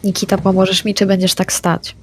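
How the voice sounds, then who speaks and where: A woman playing a tabletop game, speaking her character's lines in a brisk, matter-of-fact way. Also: mid-range voice, level tone, slight background noise. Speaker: player.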